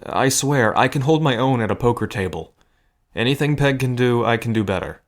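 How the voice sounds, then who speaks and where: A man's voice: mid-range voice, lively intonation, fairly quick, lightly acted. A man acting in an audio drama as a protective, wry cousin in a gambling scheme, talking in an earnest, conversational way. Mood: reassuring, earnest. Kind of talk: scripted audio drama acting, addressed to the listener.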